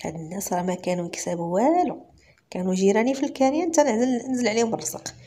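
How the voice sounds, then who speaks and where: A woman's voice: medium pitch, expressive, very fast, mellow, natural voice. A woman storyteller voicing an older midwife with a Moroccan accent, chatty and familiar. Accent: Moroccan Arabic.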